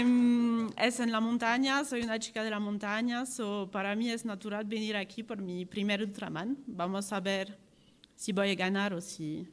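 Slow, high-pitched French-accented woman. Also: slight background noise. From France. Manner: halting non-native speech, giggly. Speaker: ultra-endurance athlete. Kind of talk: informal speech at a press conference.

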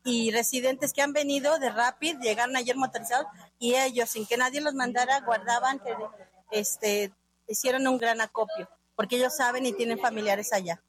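A woman's voice: on the high side, fairly even intonation, normal speed, dry recording, poor audio. A woman spokesperson talking loosely in an interview, hesitant and full of fillers. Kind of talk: casual interview speech.

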